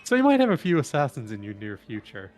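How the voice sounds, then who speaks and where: A man's voice: mid-range voice, huge pitch swings, fast talker, darkish tone, faint music behind. A man playing a tabletop game, reporting what his character learned in a matter-of-fact way. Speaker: player.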